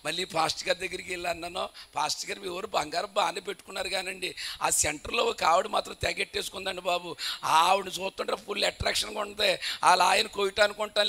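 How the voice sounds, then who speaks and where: A man preaching a sermon, telling humorous stories and building to loud, emphatic declarations. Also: sits high, creaky.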